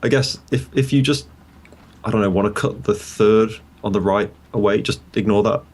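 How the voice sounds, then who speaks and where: A man co-hosting a casual chat, giving blunt, quick opinions on desk setups. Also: fairly low pitch. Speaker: co-host.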